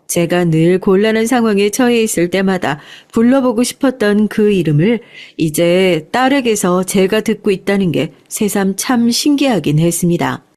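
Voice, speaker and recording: A woman's voice: mid-range voice, a little mellow. Woman narrating a confessional first-person story.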